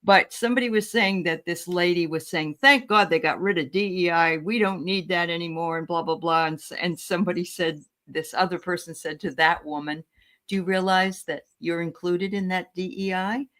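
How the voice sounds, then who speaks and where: A woman from the Boston area trades views in a casual group chat, outspoken and quick to laugh. Her voice sits on the low side. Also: steady tone, fairly bright tone. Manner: chatty, opinionated, quick to laugh. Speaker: tarot show co-host.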